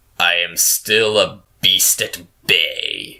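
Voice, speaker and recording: A man growls in a hoarse, put-on character voice. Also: fairly low pitch for a man. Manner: defiant, menacing.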